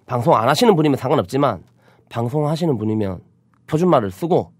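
A man's voice: medium pitch, lively intonation, fast talker, breathy edge, dry recording, studio quality. A man in his forties with a Busan dialect, telling stories in a casual talk-show chat and mimicking other voices. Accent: Busan Gyeongsang dialect. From Busan, South Korea. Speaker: show host.

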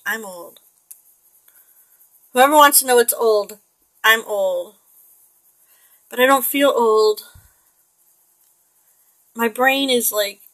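Chatty woman in her forties, bright dry voice. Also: medium pitch, no echo, low-quality recording. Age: 40s. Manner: chatty, rambling, laughs often. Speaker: digital artist. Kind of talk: casual chat while painting on screen.

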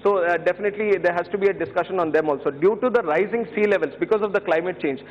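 High-voiced Indian man addressing parliament. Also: racing, a little hiss or hum. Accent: Indian English. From Andhra Pradesh, India. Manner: earnest and pleading, many hesitations and "sir" addresses, gesturing. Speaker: member of parliament. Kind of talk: parliamentary speech. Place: large parliament chamber, indoors. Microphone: fixed desk microphone. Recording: reverberant chamber, dull broadcast audio.

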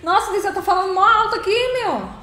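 A woman's voice: extremely high pitch, fast talker, pushed and bright, soft background music. A woman, casually chatting on a live game stream, greeting viewers by name and laughing often. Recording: roomy echo.

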